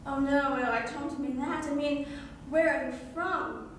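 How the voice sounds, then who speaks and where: A woman's voice: high-pitched, steady tone, unhurried, a little hiss or hum. A woman performing a prying, patronizing character who keeps asking an adoptee where she is really from, recorded on stage. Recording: echoey distant stage recording.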